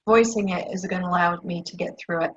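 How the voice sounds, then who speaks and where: Soft, breathy woman on muffled audio. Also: lowish voice, fairly even intonation, quick pace. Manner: soft, hesitant, with fillers. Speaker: client in a tapping session. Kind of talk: repeating affirmations, then describing feelings.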